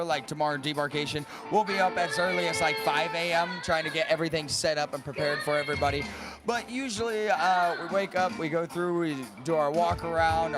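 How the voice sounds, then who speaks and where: An upbeat man working as a cruise director, talking casually and animatedly in a live interview. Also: sits high. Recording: loud music behind the voice. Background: loud music.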